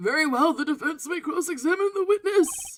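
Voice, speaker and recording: A put-on character voice at an extremely high pitch delivers its lines at a moderate pace. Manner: authoritative.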